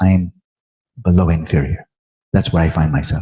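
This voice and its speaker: A man speaks at a fairly quick pace in a very deep, low voice, his dark, mellow tone somewhat breathy and his intonation fairly even. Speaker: Buddhist meditation teacher. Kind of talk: dharma talk at a retreat. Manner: fast; speaks in short segments for interpretation.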